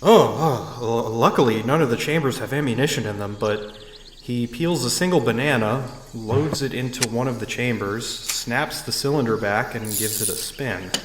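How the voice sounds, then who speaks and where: An actor playing an affable, bemused lawyer on holiday, narrating in a wry, conversational first person in an audio drama. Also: male voice, medium pitch, normal speed, echoey room, background noise, close to an everyday voice.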